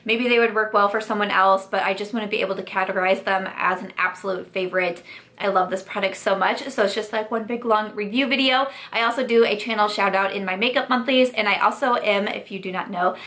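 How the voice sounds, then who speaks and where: A young woman talks through a casual beauty review, frank and full of fillers. Her voice is strained from a sore throat she keeps mentioning. She sits at an ordinary middle pitch. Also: pushed and bright. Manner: chatty, frank, filler-heavy with likes. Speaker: beauty vlogger.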